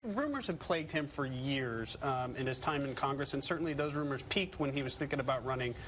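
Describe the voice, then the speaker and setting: A man giving unscripted political commentary in an interview, with measured, halting phrasing. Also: mid-range voice, lively intonation, a bit bright, slight background noise.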